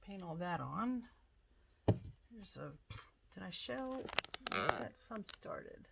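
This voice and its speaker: A woman pottery artist giving a casual demonstration, chatty and relaxed, thinking aloud with plenty of fillers as she works. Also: mid-range voice, slow pace, vocal fry, heavy background noise. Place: home pottery studio.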